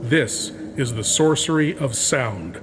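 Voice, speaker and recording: A man hosting a horror audio show, introducing it in a slow, hushed, ominous manner. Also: mid-range voice, animated, noisy background. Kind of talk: theatrical horror host introduction.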